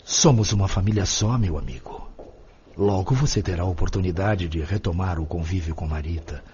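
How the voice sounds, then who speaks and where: An actor playing a wise, compassionate spirit guide in a radio drama, speaking gently and solemnly. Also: male voice, low-pitched, normal speed, natural voice. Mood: tender gravity. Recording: muffled with faint background noise.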